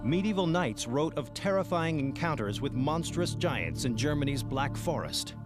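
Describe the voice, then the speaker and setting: A man reading scripted nature-documentary narration in a dramatic, measured storytelling way. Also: on the high side. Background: music bed.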